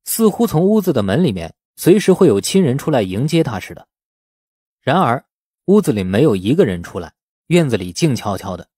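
A man's voice: mid-range voice, a little mellow, husky, no room sound, studio quality. A man narrating a novel as a scripted audiobook in a storytelling style.

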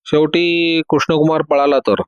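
A man's voice: fairly high pitch, level tone, moderate pace, clear, resonant tone, no room sound, muffled recording, close to an everyday voice. A man voicing a timid male assistant who hesitates and stammers. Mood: hesitant.

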